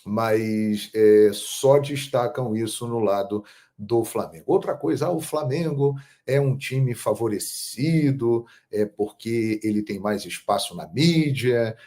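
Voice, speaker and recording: Slow, emphatic Brazilian football host. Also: male voice, medium pitch, dark tone. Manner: measured, storytelling, emphatic on key phrases. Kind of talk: casual monologue to camera.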